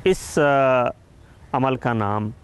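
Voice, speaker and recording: A calm, wise father speaks to his young son, as a male storyteller voices him, patient and gentle as he explains. The voice sits at an ordinary middle pitch, close to the storyteller's own, plain and unhurried. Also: clear, resonant tone, lightly acted.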